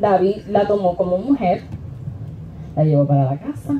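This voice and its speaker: With light background noise behind her, a woman speaks in a fairly low pitch that makes very wide swings. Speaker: preacher. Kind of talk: sermon. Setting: church. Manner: animated, fervent preaching in full flow. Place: church. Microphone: camera far.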